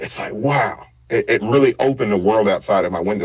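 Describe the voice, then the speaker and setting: A man with a Mississippi accent speaks at a moderate pace and fairly low pitch. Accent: Southern US (Mississippi). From US South, Mississippi. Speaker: trade school alumnus and community volunteer. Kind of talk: interview.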